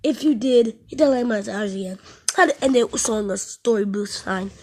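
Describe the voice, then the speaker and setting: A woman's voice: a little high, moderate pace, a little mellow, slight background noise. A woman hosting a reaction video, chatting in an offhand, joking way. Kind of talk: casual reaction commentary.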